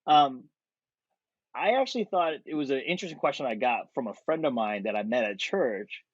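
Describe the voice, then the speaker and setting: A man in his thirties from South Korea, a podcast guest talking thoughtfully and with energy, pausing on fillers. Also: mid-range voice, husky, dry recording. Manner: thoughtful, animated, with frequent fillers and laughs. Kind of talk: conversational interview. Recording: dry, slightly dull podcast audio.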